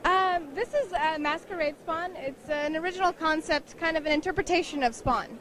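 A woman's voice: very high-pitched, normal speed, a bit bright. A young woman cosplayer, shy and giggly with many ums, answering questions into a handheld mic in a convention hall. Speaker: cosplayer interviewee. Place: crowded indoor convention hall. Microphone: handheld mic held by interviewer.

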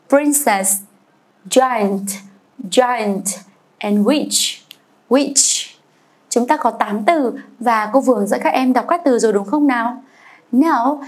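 A woman's voice: sits high, darkish tone. A young woman with a Vietnamese accent teaching English vocabulary, saying each word twice and then explaining it. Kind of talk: bilingual vocabulary lesson.

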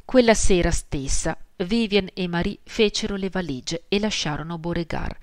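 A woman narrating an audiobook in a measured, even reading. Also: on the low side, no echo, clean studio sound. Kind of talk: scripted narration.

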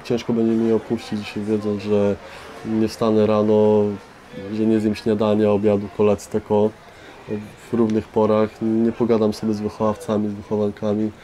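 Young guy, low mellow voice, talks haltingly about himself, bit of noise. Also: completely flat delivery. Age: teenager or young adult. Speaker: resident of a youth care centre. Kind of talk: candid personal testimony. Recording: faint background noise.

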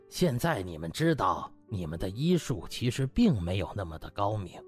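A man voicing a stern, lofty elderly hospital director who lectures deliberately in an audiobook. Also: fairly low pitch, darkish tone, pitched below the performer's own voice.

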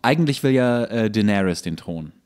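A man with a fairly low voice speaks as a podcast co-host. He explains things in a casual, conversational way, often pausing to search for the next bit. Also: animated, darkish tone. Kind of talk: casual chat, explaining a TV series.

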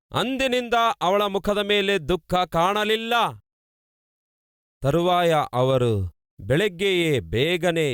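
A man preaching a sermon, retelling a scripture story with dramatic swings in pitch and pace and repeated phrases. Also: no echo, studio quality. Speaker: pastor.

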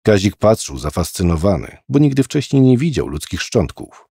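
A man narrating a horror audiobook in a measured, dramatic storytelling manner. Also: on the low side, big pitch swings, creaky, mellow, slightly rough, no room sound, clean studio sound. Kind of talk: scripted narration.

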